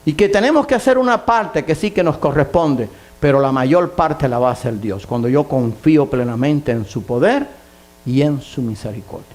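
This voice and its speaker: A male pastor delivers a sermon in an earnest, fervent way. His voice sits a little high for a man, and he stacks repeated phrases. He builds to emphatic, insistent passages before easing into prayer. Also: animated, normal speed, a little mellow.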